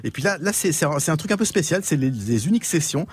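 A man hosting a radio music show, introducing guests in chatty, fluent presenter patter with a husky voice. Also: a little high, very animated, quick pace. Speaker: radio host. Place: radio studio.

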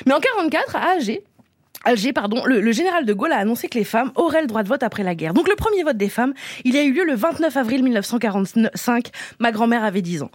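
A young adult woman reading a humorous radio column with a lively, playful, emphatic delivery. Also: high voice, no echo, clean studio sound. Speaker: comedy columnist.

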